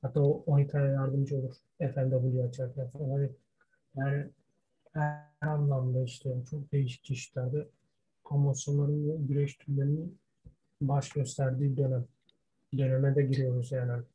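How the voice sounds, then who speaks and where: Man, very soft dark tone, husky, casual podcast talk, imperfect word-searching Turkish, English terms mixed in. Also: medium pitch, level tone, normal speed. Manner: self-described poor Turkish, gropes for Turkish words, mixes in English terms. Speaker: podcast co-host. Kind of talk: casual wrestling history discussion.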